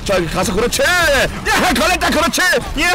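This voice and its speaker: A man streaming a competitive game, commenting live, cheering teammates and shouting and swearing as he plays. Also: very high voice, moderate pace, over a noisy crowd. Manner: excitable, shouts and swears during play; cheers on teammates with repeated calls.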